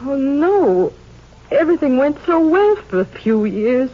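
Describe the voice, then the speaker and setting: An actress playing a grieving, gracious sheriff's widow, gentle, folksy and hesitant, in 1950s radio drama style. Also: female voice, high voice, sing-song, unhurried. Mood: sorrowful. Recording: dull vintage 1950s radio recording.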